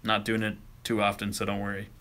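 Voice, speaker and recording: A man records a home vlog on a handheld cell phone, talking offhandedly with bits of mild grumbling. The camera vlogger's low-ish voice is monotone and fairly quick, with a fairly bright tone.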